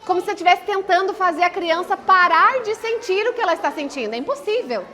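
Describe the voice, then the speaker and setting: A woman's voice: very high-pitched, expressive, quick pace, fairly bright tone. A woman giving a live parenting talk, explaining in a conversational way, often posing a question and then answering it herself. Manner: explanatory, poses and answers her own questions. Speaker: parenting speaker.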